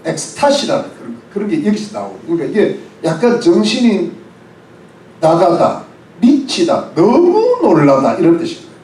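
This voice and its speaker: A man's voice: high voice, sing-song, moderate pace, darkish tone, reverberant, recorded from a distance, slight background noise, low-quality recording. A man preaching a sermon as pastor, explaining words one by one with English phrases and asking the congregation questions. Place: church.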